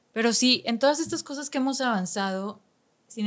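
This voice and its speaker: A woman's plain, everyday voice, fairly high and fairly quick, on a very clean recording with a silent background. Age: 40s. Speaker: podcast co-host. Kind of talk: casual chat.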